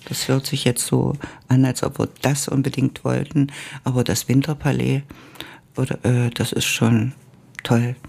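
An older woman from East Germany, a former Russian teacher, recalling her past slowly and with many hesitations in an interview. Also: a bass voice, flat delivery, creaky, dark tone, slightly rough. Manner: slow and reminiscent, with frequent hesitations. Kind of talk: oral history interview.

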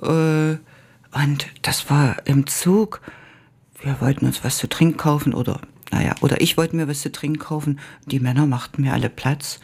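An older woman from East Germany, a former Russian teacher, recalling her past slowly and with many hesitations in an interview. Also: deep voice, fairly even intonation, a little mellow, slightly rough. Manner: slow and reminiscent, with frequent hesitations. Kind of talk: oral history interview.

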